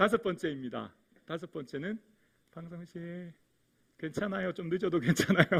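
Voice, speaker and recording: The speech moves at a moderate pace with long, frequent pauses. Loudness swings widely while the pitch varies in an ordinary way. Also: man, high pitch for a man. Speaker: pastor. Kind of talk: sermon. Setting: church.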